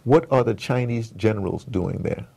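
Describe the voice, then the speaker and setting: Gravelly-voiced man talking emphatically in an interview. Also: fairly low pitch, moderate pace, mellow, slight background noise. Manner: emphatic, digressive, repeats phrases for emphasis. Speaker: interviewee, audio drama producer. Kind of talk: animated interview conversation.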